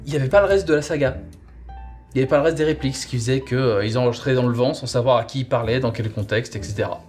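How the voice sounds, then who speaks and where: A man's voice: medium pitch, a little mellow. A man presenting a comic, conversational review, rambling playfully and drawing out words for emphasis.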